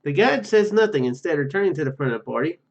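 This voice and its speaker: Male let's-play host, medium-high voice, casual narration with stumbles, slightly lo-fi recording. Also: animated, fast, vocal fry. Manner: stumbles and self-corrects while reading. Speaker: gaming video host. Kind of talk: reading game narration aloud with casual commentary.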